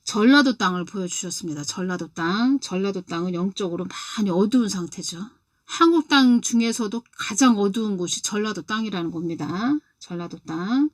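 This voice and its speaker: A woman's voice: medium pitch, animated, moderate pace, dry recording. A woman in her sixties giving a spiritual testimony and telling her dream, repeating key phrases with emphasis. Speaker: lay preacher.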